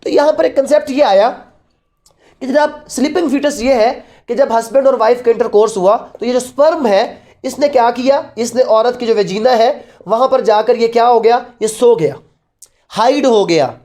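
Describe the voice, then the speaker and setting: A man's voice: extremely high pitch, moderate pace, darkish tone. Male law lecturer, Pakistani accent, explanatory classroom delivery with rhetorical questions and code-switching into English. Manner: explanatory, asks and answers own questions. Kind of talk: lecture mixing Urdu and English.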